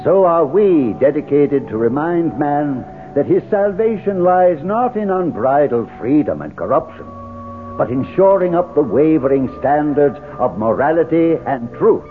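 A man's voice: on the high side, sing-song, a little slow, soft background music. An actor playing a grandiose, menacing male cult leader in a pompous, oratorical, incantatory way in a 1970s radio drama. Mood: solemn, preaching. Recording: tinny, noisy 1970s radio recording.

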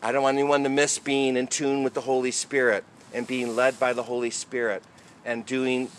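A man's voice: medium pitch, flat delivery, normal speed, slight background noise. A man speaking as a Catholic priest, preaching and reading at Mass in an earnest, emphatic manner with repeated phrases. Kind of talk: sermon and liturgical reading at Mass.

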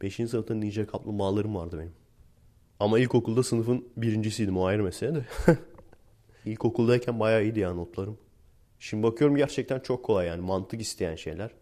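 A man's voice: fairly low pitch, brisk, dark tone. A young man from Turkey who works as a teacher, casually telling stories with wry humor and frequent laughs. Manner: chatty, wry, laughs while telling anecdotes. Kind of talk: casual storytelling vlog.

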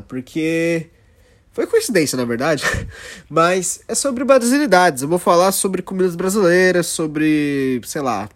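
Rambling São Paulo man hosting a podcast. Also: fairly high pitch. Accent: São Paulo Brazilian Portuguese. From São Paulo, Brazil. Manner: rambling, self-interrupting, slangy. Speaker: podcast host. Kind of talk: casual solo podcast chat.

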